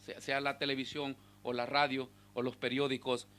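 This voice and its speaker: A man preaching a sermon as pastor, swinging between loud exhortation and hushed asides to the congregation. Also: medium pitch, little pitch movement, moderate pace. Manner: speaks directly to the congregation with rhetorical questions.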